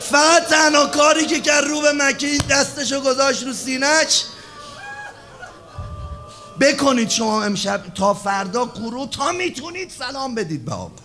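A man preaching a religious mourning sermon. He swings between shouting and hushed, low tones, and chants prayers very slowly. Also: lively intonation, soft background music.

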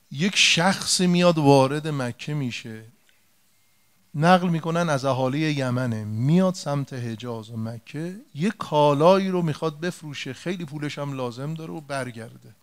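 With a smooth, medium-pitched voice, a man preaches a sermon, retelling an old story colloquially. He addresses listeners with direct rhetorical questions and emphatic repetition.

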